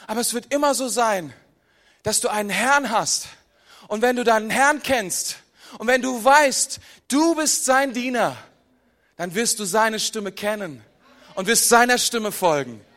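A man preaching a sermon, lively, chatting with the congregation through asides and questions, sometimes dropping low and quiet for emphasis. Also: measured pace. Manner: pitch and volume drop low for emphasis. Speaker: pastor.

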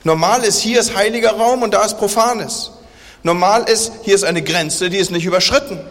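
A man preaching a sermon at a church service, asking rhetorical questions and sinking into quiet, intense emphasis. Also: sits high, moderate pace. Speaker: pastor. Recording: long church reverb.

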